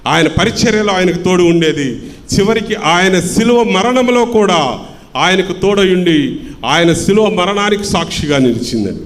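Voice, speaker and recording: A man's voice: sits high, animated, normal speed, big-room sound, a little hiss or hum. A man preaching a sermon, repeating lines in a rhythmic cadence and posing rhetorical questions. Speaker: pastor. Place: church.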